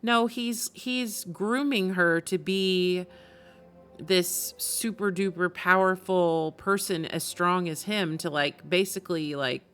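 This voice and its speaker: A woman with a slightly low voice reacts live on a game stream. She talks casually and muses aloud as she goes. Faint music sits behind her. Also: slow pace, a bit bright, clean tone. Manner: conversational, musing aloud.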